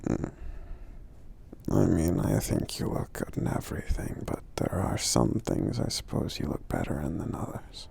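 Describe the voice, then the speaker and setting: A man playing a friendly, polite, protective giant in soft-spoken ASMR roleplay, breathy and gravelly, with hesitant, hum-filled pauses. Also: sits low, full character voice. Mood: gentle, helpful. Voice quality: breathy, gravelly, half-whispered. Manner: hesitant, courteous, unhurried, pausing with hums.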